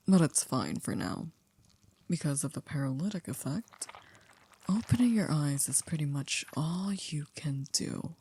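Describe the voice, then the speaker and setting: Woman voicing poised servant of a vampire, ASMR roleplay, very low female voice, soft mellow tone, hushed, polite, formal, quietly commanding. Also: a little hiss or hum. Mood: cool, softly menacing. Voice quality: breathy, hushed, often near a whisper. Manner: formal, polite, measured, with stiff wording. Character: poised, formal female vampire's maid, coolly controlling and devoted.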